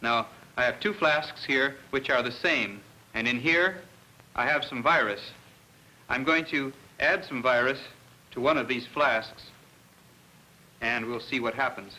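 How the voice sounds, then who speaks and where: A man, a research scientist, giving an educational lecture in a measured, didactic way with pauses mid-sentence. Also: mid-range voice, sharp tone, poor audio.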